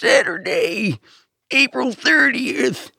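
The speaker uses a raspy, put-on character voice.

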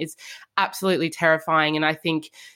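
With a bright, sharp tone, a woman speaks at a fairly quick pace and a fairly low pitch. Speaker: podcaster.

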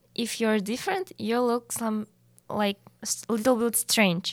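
In a Russian accent, a woman speaks at a fairly high pitch. Her intonation is monotone and flat. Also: dry, close sound with no echo, very clean recording, silent background. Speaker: student, ethnic Korean from Russian-speaking diaspora. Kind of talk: casual chat.

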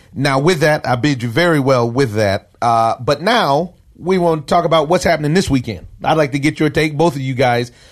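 A man with an American accent has an unremarkable speaking voice and a fairly high pitch. He keeps a moderate pace and very even loudness. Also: ordinary pitch variation. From Los Angeles, US West Coast. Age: 30s. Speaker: podcast host. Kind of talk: casual chat.

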